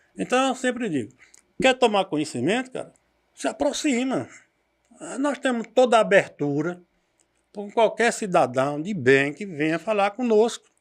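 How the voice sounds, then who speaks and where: Pausing long and often, a man talks at a moderate pace in a high pitch, with very wide pitch swings and big swings in loudness. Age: 70s. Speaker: former football club president. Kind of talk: casual interview.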